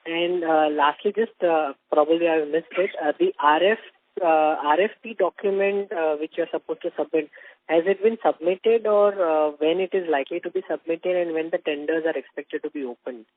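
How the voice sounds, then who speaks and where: A man's voice: fairly high pitch, normal speed, dry recording. A man with an Indian accent asking questions as a financial analyst, polite and businesslike. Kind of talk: earnings call questions. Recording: narrow phone line.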